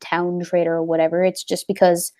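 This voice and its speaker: A woman's voice: lowish voice, monotone, a little fast, mellow, faint music behind. A young woman hosting a casual livestream, talking in a rambling, hesitant way with many fillers. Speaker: livestream host.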